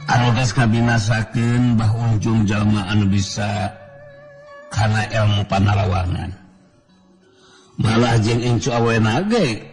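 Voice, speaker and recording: A man from West Java narrating a folk tale as a storyteller, in a measured way. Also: lowish voice. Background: background music.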